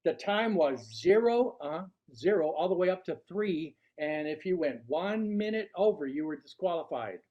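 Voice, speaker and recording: An older man speaks to a club in a notably high voice. His delivery is deliberate and theatrical, built like a prepared workshop speech. The recording sounds muffled and low in fidelity. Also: expressive, a little mellow. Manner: deliberate, showman-like delivery with rhetorical questions. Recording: dull, lo-fi sound.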